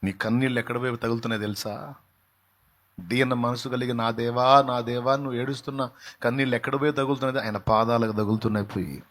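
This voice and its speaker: A male pastor preaching a sermon with fervour, swinging between quiet, low passages and loud, raised outbursts. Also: fairly even intonation, fast.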